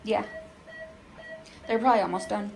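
A woman's voice: mid-range voice, fairly even intonation, normal speed, vocal fry. A woman chatting casually with someone she is looking after. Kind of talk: casual chat with a patient. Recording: background music.

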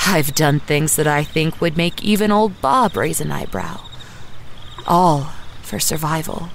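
An actress playing a hardened, wry survivor, giving a sardonic, reflective first-person monologue in an audio drama. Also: female voice, lowish voice, slight background noise. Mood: somber, resolute.

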